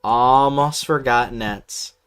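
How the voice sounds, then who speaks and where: A man with a medium-pitched, slightly bright voice talks slowly while streaming a video game. He chats casually with viewers, swearing, rambling, and often repeating himself as he comments on the gameplay.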